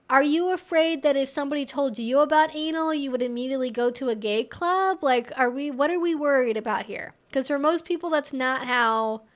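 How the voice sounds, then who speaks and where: A woman's voice: sits high, fairly bright tone. A woman hosting a livestream, chattily and informally reading and answering viewer comments.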